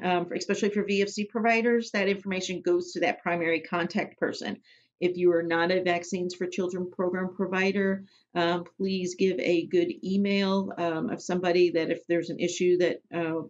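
Woman trainer for a software walkthrough, plain instructional delivery with fillers, muffled computer-mic sound. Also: mid-range voice. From Missouri. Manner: plain step-by-step instructions with frequent ums. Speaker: immunization program trainer. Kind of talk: screen-recorded software tutorial. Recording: dull lo-fi audio.

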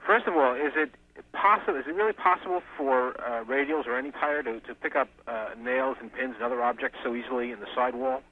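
A man from Massachusetts calls in over a tinny phone line, hesitant and full of fillers. His voice sits at an ordinary pitch under a faint hiss. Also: fast talker. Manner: hesitant, many uhs. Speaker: caller.

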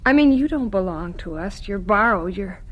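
A woman acting a gentle, devout middle-aged mother in a Christian radio drama, soothing and earnest. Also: mid-range voice, lively intonation, normal speed. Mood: moved, tender. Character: gentle, devout mother comforting her daughters.

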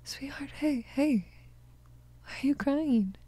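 A young woman of twenty playing a protective, tender yet commanding mafia boss in an ASMR romance roleplay, breathy and often half-whispering. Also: sits high, takes it slowly, dark tone, low-quality recording. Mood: tender, reassuring.

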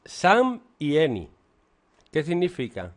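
Animated Spanish teacher, slow delivery. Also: male voice, fairly high pitch. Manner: joking, animated, slow and deliberate. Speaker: English teacher. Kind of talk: classroom lesson.

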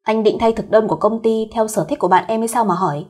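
A woman's voice: fairly high pitch, quick pace, a little mellow, breathy edge. A woman voicing a cheeky, teasing, protective young female cousin in a fireside storyteller's audio tale. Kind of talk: acted dialogue in an audio story.

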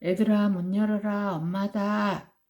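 A woman's voice: medium pitch, fairly even intonation, a little slow, a little mellow, close to an everyday voice. A woman voicing a sly male tiger who fakes a mother's voice to coax children. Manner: coaxing, sweet-talking.

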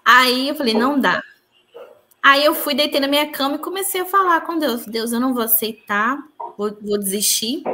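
A woman's voice: fairly high pitch, sharp tone. A woman giving an earnest personal testimony in an interview, retelling events with quoted dialogue. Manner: earnest, tells her story with reported dialogue.

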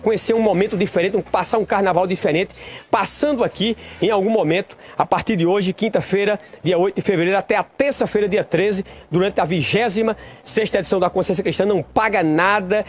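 A man in his forties, a pastor and event organizer, speaking in a live TV interview at an outdoor venue in a measured, explanatory and inviting way. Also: sits high, fairly even intonation. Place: outdoor event venue under a large tent roof. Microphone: handheld reporter microphone.

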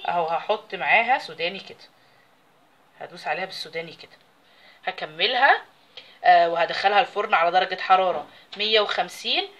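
Egyptian woman cooking host, lowish voice, quick, chatty demo while she works. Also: fairly bright tone, muffled recording. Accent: Egyptian Arabic. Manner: chatty, talks while working with her hands. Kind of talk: casual recipe demonstration.

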